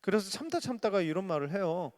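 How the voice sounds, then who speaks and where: A male pastor preaching a dawn service sermon, retelling scripture in an animated way. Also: high voice, fast. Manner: animated, acts out scripture quotes. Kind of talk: early-morning sermon. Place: church sanctuary.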